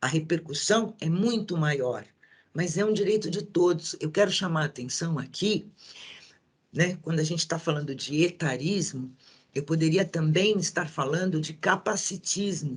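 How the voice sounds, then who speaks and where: Her somewhat breathy voice set at a fairly low pitch, a woman speaks at a fairly slow pace with ordinary pitch variation. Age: 50s. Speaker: workplace health speaker. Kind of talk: lecture.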